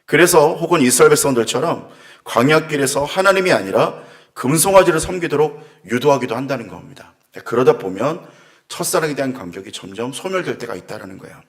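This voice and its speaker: A man's voice: medium pitch, lively intonation, a little fast, gravelly. A man preaching a sermon as pastor, earnest and reflective, with sighing asides as he muses aloud. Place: church.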